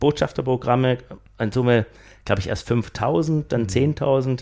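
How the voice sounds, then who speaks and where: A man speaks at medium pitch and a moderate pace. It is an ordinary speaking voice with fairly even intonation. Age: 40s. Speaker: automotive engineer and manager. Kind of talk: interview.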